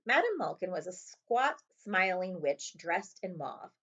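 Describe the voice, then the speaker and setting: A woman's voice: lowish voice, very animated, a little slow, a bit bright, highs cut off. A woman librarian narrating a children's chapter book as a read-aloud.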